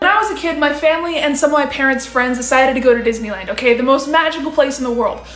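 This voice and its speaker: A loud, animated, high-pitched woman's voice at a very fast pace with hardly any pauses, with audible room echo and music in the background. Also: ordinary pitch variation. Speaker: tiktok creator. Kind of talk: casual vlog monologue.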